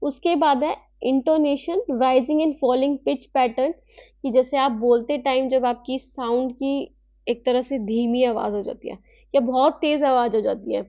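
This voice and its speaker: A woman teacher giving an online class, reading English lines slowly and explaining them, with rhetorical checks to her students. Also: sits high, fairly even intonation, no echo, highs cut off. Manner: asks rhetorical questions, tag "है ना".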